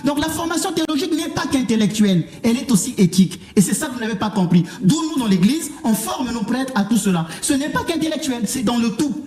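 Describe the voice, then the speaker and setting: A man's voice: very high voice, big pitch swings, fast talker, hardly any pauses, a little mellow. A man from Africa speaking as a clergyman in a televised religious debate, lecturing his opponent in an argumentative, reproachful manner. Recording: roomy, echoing sound.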